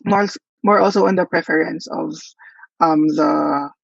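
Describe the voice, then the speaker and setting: Gravelly man presenting at a workshop. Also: on the high side, fairly even intonation, a bit bright, dry recording. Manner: thoughtful, hesitant, with frequent pauses. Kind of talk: conference presentation. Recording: dull lo-fi dry audio.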